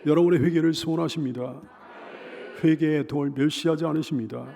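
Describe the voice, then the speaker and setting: A middle-aged male pastor preaching a sermon, swinging from loud emphatic cries to soft hushed lines, with repeated pleading phrases. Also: a little high, steady tone, fairly quick, creaky, slight background noise. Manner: leads the congregation in call-and-repeat.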